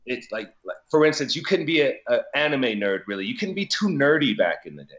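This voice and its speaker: A man from Colorado chats as a guest in a relaxed conversation. He rambles with filler words, swears freely and laughs easily. His voice sits at an ordinary pitch, and the recording sounds somewhat dull and lo-fi. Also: brisk. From Colorado, USA. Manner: loose and profane, many "like" fillers, laughs easily. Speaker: guest, DJ and business owner. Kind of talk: casual conversation.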